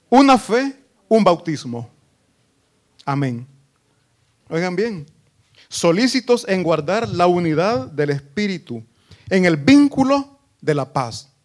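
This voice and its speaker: A man preaching a sermon as pastor, rising to emphatic phrases and dropping to low asides.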